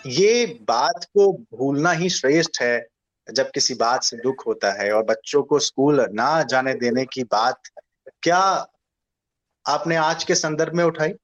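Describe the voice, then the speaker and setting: Man, program host, courteous interviewer, mid pitch, slightly muffled audio. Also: slow, fairly bright tone. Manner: polite, thanking, leading questions. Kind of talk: interview talk.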